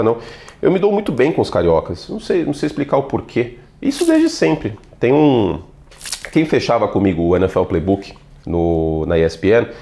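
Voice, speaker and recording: A middle-aged man from São Paulo with a neutralized accent, hosting a solo football commentary video in an animated, playful, chatty way with lots of asides. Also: lowish voice. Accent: neutralized São Paulo Portuguese. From São Paulo, Brazil. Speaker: NFL analyst and channel host.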